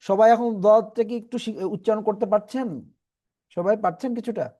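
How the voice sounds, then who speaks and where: A man teaching Quran reading in an online class, patiently explaining and slowly repeating letter sounds for his students. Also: high voice, warm tone, dull audio.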